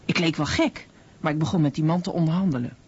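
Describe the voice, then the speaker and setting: An actress voicing a shopkeeper mother recalling an armed robbery, with a husky voice, in a radio documentary. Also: low voice, fast talker, a little mellow. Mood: tense recollection. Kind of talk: Dutch voice-over translation in a radio documentary. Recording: dull, muffled lo-fi audio.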